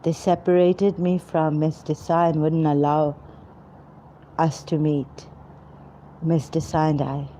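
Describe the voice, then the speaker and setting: A woman talking to camera in a rambling personal monologue, halting often with pauses and fillers. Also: deep voice, level tone, warm tone. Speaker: vlogger. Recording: dull lo-fi recording with faint noise.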